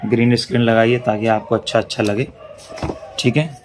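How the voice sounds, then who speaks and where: A man's voice: medium pitch, fairly even intonation, a little fast. Chatty man tutoring over noisy pages. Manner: chatty, reassuring, repeats "theek hai" while flipping pages. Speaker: exam-prep tutor. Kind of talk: casual exam-tips lesson.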